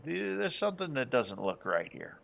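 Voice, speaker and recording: A man's voice: medium pitch, big pitch swings, moderate pace, creaky, fairly bright tone, exaggerated voice. Man playing a suspicious, officious veteran street cop. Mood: officious, firm. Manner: questioning, officious.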